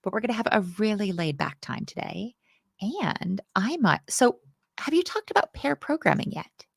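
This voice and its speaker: A woman's voice: medium pitch, big pitch swings, normal speed, gravelly, dry recording, clean studio sound. A woman from the UK, teaching a casual coding lesson in a playful, chatty, self-deprecating way.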